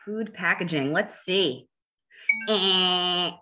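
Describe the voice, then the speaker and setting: A woman's voice: fairly low pitch, drawn-out words, bright, forceful tone, lo-fi sound, soft background music. A woman attorney hosting a casual podcast, quizzing her co-host with dry, blunt teasing.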